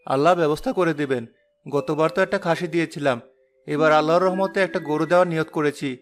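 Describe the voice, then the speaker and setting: An actor playing a humble, devout poor father in a cartoon, talking in a calm, gentle, reassuring way. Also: a little high, quick pace, close to an everyday voice. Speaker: day laborer father. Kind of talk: cartoon voice acting.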